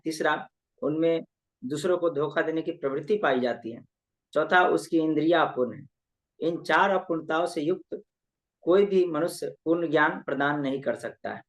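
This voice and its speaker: Man reading a passage aloud in class. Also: fairly high pitch. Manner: steady reading with small hesitations. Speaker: student.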